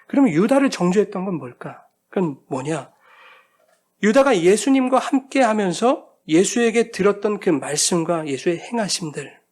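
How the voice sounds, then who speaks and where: Brief: male preacher with a high voice, emphatic, asks the congregation questions. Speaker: pastor. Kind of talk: sermon.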